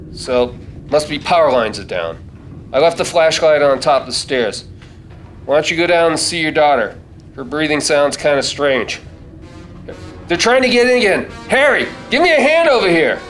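A man's voice: fairly high pitch, sing-song, moderate pace, a bit bright. An actor playing a tough, hot-tempered man fighting off ghouls, urgent and commanding, in a radio play. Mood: tense, commanding. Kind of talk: live staged radio play reading. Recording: stage reading with music underneath.

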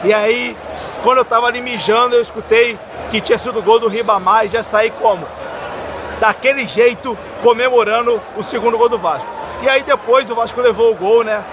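A young Brazilian man, drunk, giving a loud, boastful, profane post-match rant as a football fan vlogger. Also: extremely high pitch. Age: young adult. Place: outdoor football stadium stands. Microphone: phone at arm's length. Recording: noisy stadium crowd recording. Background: crowd and stadium noise.

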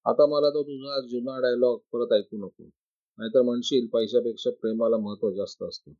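A man's voice: mid-range voice, steady tone, normal speed, lightly acted. A man voicing a vain, blunt young woman who talks with scorn and boasts. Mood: mocking. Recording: dry, slightly dull recording.

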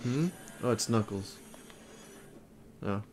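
A man streaming a video game live, chatting and reacting out loud as he plays. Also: lowish voice, takes it slowly, a little hiss or hum. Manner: chatty, reacting aloud with frequent laughs. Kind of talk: live gameplay commentary. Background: game music.

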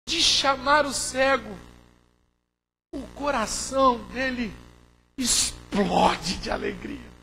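A hoarse male pastor preaching a sermon, moving from quiet, intimate talk to fervent shouting. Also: very high-pitched.

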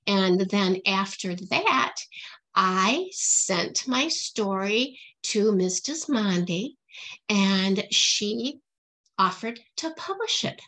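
A woman's voice: medium pitch, expressive, drawn-out words, bright, forceful tone, poor audio. A middle-aged woman, a guest author, chatting casually and answering questions in simple, explanatory phrases for children over a video call. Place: small indoor room at home. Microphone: computer mic on a video call.

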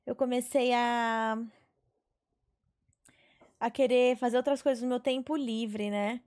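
Chatty high-voiced woman streamer. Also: slow pace. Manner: chatty, animated storytelling, swears casually. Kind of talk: casual gameplay chat with viewers. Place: small bedroom streaming setup, indoors. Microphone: headset mic on webcam stream.

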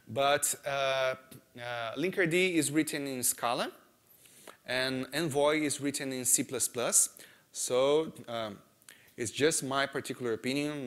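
A man in his thirties from Brazil with a Brazilian Portuguese accent, presenting a technical talk on a conference stage, gesturing a lot and often checking in with "right?". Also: a little high. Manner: animated, gestures a lot, frequent "right?" and "uh" fillers. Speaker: conference speaker. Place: large conference hall stage.

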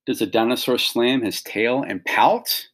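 A middle-aged man, a teacher, reads a picture book aloud to children as an instructional read-along, explaining and pointing things out in simple phrases. His medium-pitched voice is unhurried and fairly bright.

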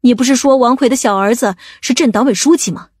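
A woman's voice: a little high, quick pace, a little mellow, breathy edge, no room sound, clean studio sound. A woman playing an imperious, commanding aunt from a powerful family in an audiobook drama. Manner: commanding, demanding.

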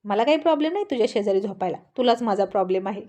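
A woman's voice: mid-range voice, expressive, racing, dark tone, lightly acted. A woman voicing a playful, stubborn young newlywed wife who teases and pleads with her husband in a storybook reading. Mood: coaxing. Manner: teasing, pleading.

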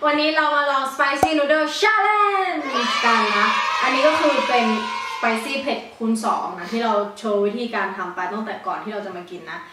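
A woman's voice: high voice, moderate pace, over loud music. A young woman vlogging an eating challenge in a chatty, giggly way, with casual swearing. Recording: echoey room, distant mic, background noise.

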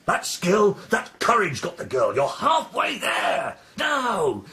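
A man's voice: high-pitched, huge pitch swings, slow, vocal fry, bright, forceful tone, raised voice, full character voice. A man acting a loyal, encouraging friend in a radio verse drama, emphatic and theatrical. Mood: urging.

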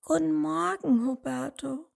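A woman voicing a gentle, sweet little female sheep in a children's storybook, full of wonder. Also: sits high, unhurried, vocal fry, pitched above the performer's own voice, heavily acted. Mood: sleepy.

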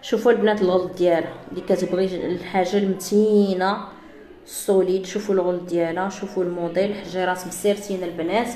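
A woman with a Moroccan Arabic accent, chatting through a live sales pitch for jewelry to her female viewers. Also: flat delivery, racing, mellow, reverberant. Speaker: jewelry seller.

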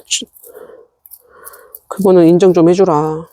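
A woman's voice: lowish voice, little pitch movement, takes it slowly, mellow, no room sound, clean studio sound. A middle-aged woman in a casual vlog, chatting to her succulents and scolding herself as she tends them at her rural home. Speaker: succulent-growing vlogger. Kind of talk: casual chat while tending plants.

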